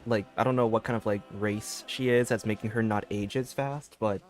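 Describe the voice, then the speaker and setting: A man's voice: fairly low pitch, steady tone, normal speed. Man rambling casually over game music. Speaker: game streamer. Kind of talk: casual livestream commentary.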